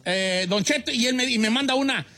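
A man's voice: very high-pitched, fairly quick, sharp tone. A man voicing a folksy older Mexican host with a Mexican accent, joking and laughing as he reads listener comments on a comedy talk show. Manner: joking, laughs often, teasing.

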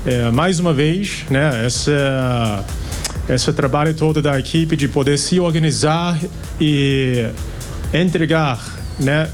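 A man's voice: fairly high pitch, a little mellow. American man speaking accented Portuguese. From United States. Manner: hesitant, many fillers and restarts. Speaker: chef, restaurant owner. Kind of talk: casual interview.

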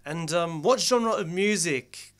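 A man hosting a casual radio interview, halting and rephrasing with many fillers. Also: a little high, animated, a bit bright. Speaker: radio host.

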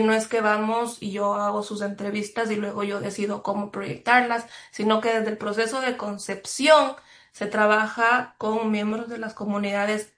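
Woman journalist from Ecuador, thoughtful interview answers, recorded in a roomy space. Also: mid-range voice. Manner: thoughtful, measured, with frequent fillers and restarts. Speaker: journalist guest. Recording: roomy echo.

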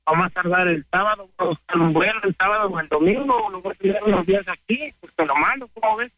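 A man with a Mexican accent talking casually with his mother on the phone, hesitant and filling his pauses. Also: sits high, bright, forceful tone, no room sound, low-quality recording. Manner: hesitant, fills pauses with "este". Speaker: father calling his mother.

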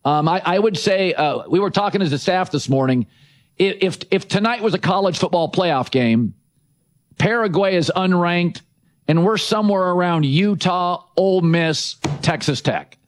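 A middle-aged man hosting a sports talk show, his voice sitting a little high for a man. He talks in brash, emphatic bursts of short punchy sentences. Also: animated, normal speed. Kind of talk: opinionated sports radio talk.

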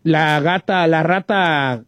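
A man's voice: on the high side, takes it slowly, a bit bright, no echo. A man hosting a radio show, joking and quizzing his co-hosts in casual banter. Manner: joking, teasing, quizzing guests. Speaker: radio host.

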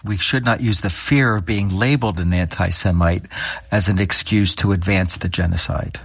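A man, an orthopedic surgeon, speaking firmly and deliberately in an interview. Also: low-pitched, steady tone, creaky, a bit bright, husky. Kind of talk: interview answers.

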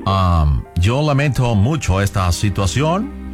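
Formal official with slow, halting speech. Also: male voice, lowish voice, very animated, music in the background. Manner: formal, hesitant, mixes English and Spanish. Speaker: detention official.

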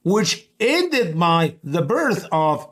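A man from Egypt, hosting a religious radio teaching show in an earnest, deliberate, explanatory way. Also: high voice, big pitch swings, fairly bright tone.

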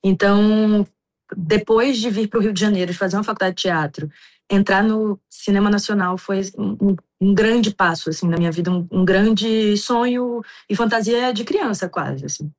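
A woman's voice: mid-range voice, normal speed. A young adult woman from Bahia, an actress answering interview questions in a reflective way, with many fillers and restarts. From Bahia, Brazil.

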